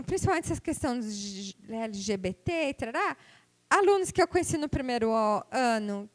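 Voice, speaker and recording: A middle-aged woman from Brazil, a university professor giving a conversational conference lecture with rhetorical and tag questions. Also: very high-pitched.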